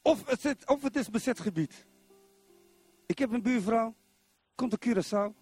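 High-voiced Dutch preacher man. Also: moderate pace, slightly rough, no echo, faint music behind. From Netherlands, Zwolle. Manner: animated, keeps asking the congregation questions. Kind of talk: sermon. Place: church.

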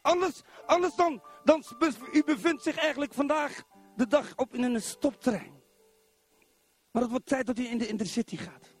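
Man, middle-aged, from Zwolle, preacher, sermon, very high voice, faint music behind. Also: normal speed, slightly rough. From Netherlands, Zwolle. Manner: animated, keeps asking the congregation questions. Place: church.

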